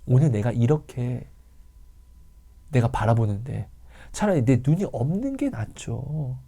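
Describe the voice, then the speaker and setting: A man preaching a sermon in an emotional, dramatic way, swinging from loud calls to hushed whispers and asking the listeners rhetorical questions. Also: mid-range voice, expressive, unhurried. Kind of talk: sermon and testimony.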